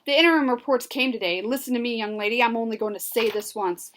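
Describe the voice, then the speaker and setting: A woman voicing a stern, angry father who barks orders loudly. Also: a little high, fast talker, close to an everyday voice. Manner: loud, barking orders.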